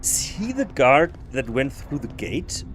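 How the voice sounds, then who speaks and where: With a sing-song, fairly bright medium-pitched voice, a podcast host streams a stealth game at a slightly slow pace. He muses aloud and chats casually with viewers, often restarting his sentences.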